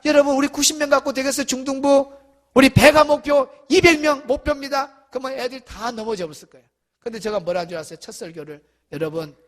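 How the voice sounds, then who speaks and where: A middle-aged South Korean pastor with a very high voice gives an animated seminar lecture to church teachers. He acts out dialogue and shouts at the peaks.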